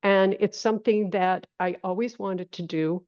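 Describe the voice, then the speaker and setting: A woman's voice: medium pitch, steady tone, moderate pace, no room sound, dull audio. A woman in her seventies from coastal Maine, answering as an interview guest in a conversational way, repeating phrases for emphasis. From island off the coast of Maine, USA. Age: 70s. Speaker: podcast guest, holistic health teacher.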